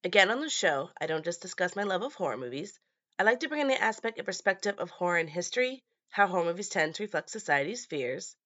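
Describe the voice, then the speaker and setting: Female podcast host, lowish voice, congested and nasal as if throat is swollen, casual delivery, dry but dull recording. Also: lively intonation, fast, a bit bright, no echo. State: congested from allergies, sore throat. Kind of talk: casual scripted horror movie podcast.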